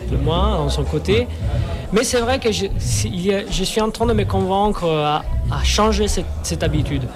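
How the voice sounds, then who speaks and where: A man's voice: high voice, expressive, moderate pace, music in the background. Man searching for French words. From Sicily. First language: Sicilian. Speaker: musician guest. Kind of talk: radio interview.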